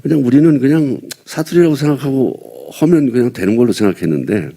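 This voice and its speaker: A man's voice: mid-range voice, expressive, brisk, vocal fry, warm tone, husky. An older man from Seoul, a veteran actor, chatting casually at a press event, rambling and self-deprecating with little chuckles between thoughts. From Seoul, South Korea. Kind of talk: casual press-conference chat.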